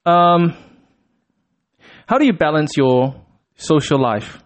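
A man's voice: a little high, animated, slow pace. A man hosting a casual interview, chatty and upbeat, with frequent stammering restarts. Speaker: podcast host.

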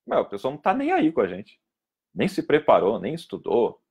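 A man teaching public speaking in an informal video lesson, emphatic and lively, sometimes scolding. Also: mid-range voice, brisk, breathy edge. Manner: emphatic, lively, scolding tone, acts out quoted students.

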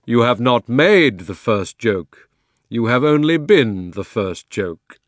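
A great male lion speaks with warm authority, as a man reads him aloud. His words come slow and grave, projected strongly. The storybook recording is dry and close. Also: mid-range voice, sing-song, no room sound. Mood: gentle. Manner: solemn, commanding, slow. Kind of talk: audiobook character voice.

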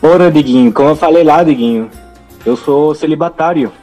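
A man's voice: a little high, a little fast, mellow, soft background music, lightly acted. A man voicing a nervous, prim male caller, with formal phrasing.

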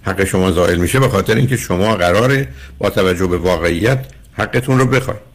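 Hosting a radio call-in program as a psychologist, an older man with a low voice emphatically lectures a caller, addressing him as "dear" over and over.

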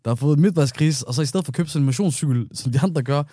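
A man's voice: fairly high pitch, mellow, husky, no echo, clean studio sound. A young man co-hosting a casual chat in a playful, teasing way.

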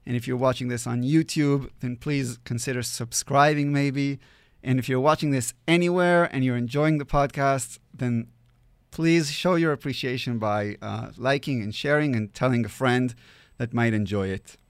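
A man's voice: medium pitch, normal speed, clean tone, no room sound, clean studio sound. A man hosting a podcast panel, chatty and a little self-deprecating. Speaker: podcast host.

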